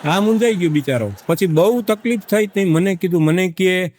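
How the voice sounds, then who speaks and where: A man telling a folksy comic village tale, acting out the characters with drawn-out repetition. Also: high-pitched, darkish tone, slight background noise. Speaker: comedic storyteller. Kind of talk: folk joke storytelling to a live audience.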